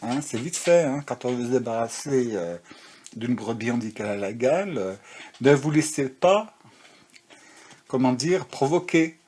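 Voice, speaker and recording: A man's voice: mid-range voice, expressive, a little slow, darkish tone. Man rambling through a tarot reading. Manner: rambling, full of fillers and restarts. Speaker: tarot card reader. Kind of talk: casual spiritual guidance talk.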